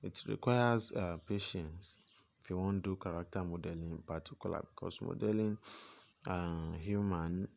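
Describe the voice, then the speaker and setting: A man with a West African accent speaks Pidgin English as an instructor, giving an informal, patient, step-by-step software tutorial with plenty of repetition. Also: low voice, moderate pace, creaky.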